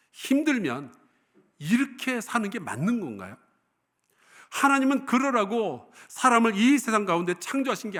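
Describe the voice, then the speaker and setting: A middle-aged male pastor preaching a Sunday sermon, his fairly high voice rising and falling in a very lively way. He tells the story and puts questions to the congregation, then drops to quiet, low lines.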